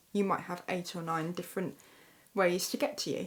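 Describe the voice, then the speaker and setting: A woman with a British accent speaks at a moderate pace in a medium pitch. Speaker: bridal makeup artist. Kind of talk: casual talk to camera.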